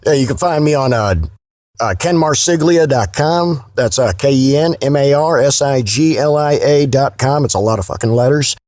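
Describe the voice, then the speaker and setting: A man's voice: mid-range voice, moderate pace, a little mellow, no echo. Blunt man, dry close podcast sound. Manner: blunt, informal, salty. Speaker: voice actor, podcast guest. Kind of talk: casual interview chat.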